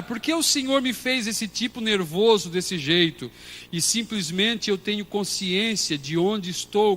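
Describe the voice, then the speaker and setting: A Brazilian man preaching a sermon as pastor, moving between quiet storytelling and loud shouted passages. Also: high voice. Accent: Brazilian Portuguese. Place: church hall.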